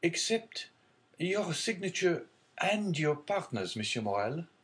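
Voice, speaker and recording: A man's voice: on the high side, big pitch swings, slow, a bit bright, pitched above the performer's own voice, heavily acted. A man voicing a genial, fatherly middle-aged shipowner.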